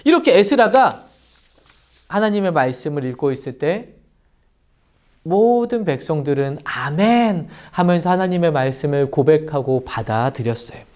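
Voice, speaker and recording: A man, a children's pastor, preaching a children's sermon in an animated storytelling manner, acting out the voices he quotes, on a lapel mic. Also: a little high, moderate pace. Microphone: lavalier mic.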